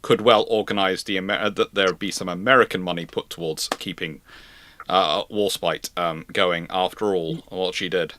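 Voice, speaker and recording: A man's voice: deep voice, steady tone, moderate pace, sharp tone. A man hosting a live history question-and-answer session, explaining things emphatically and often breaking off to rephrase himself. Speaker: host answering viewer questions.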